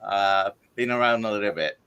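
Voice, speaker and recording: A man in his sixties, a guest doctor, telling his own health story on a live stream in a halting way, with many fillers, listing items one by one. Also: fairly low pitch, a bit bright, clean tone, dull audio. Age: 60s. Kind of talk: casual testimony on a live stream.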